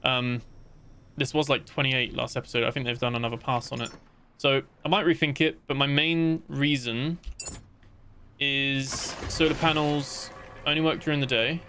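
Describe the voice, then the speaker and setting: Bright-voiced rambling male game streamer. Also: medium pitch, slight background noise. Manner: rambling, frequent fillers and restarts, chatting with viewers. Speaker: gaming livestreamer. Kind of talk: casual live gameplay chat.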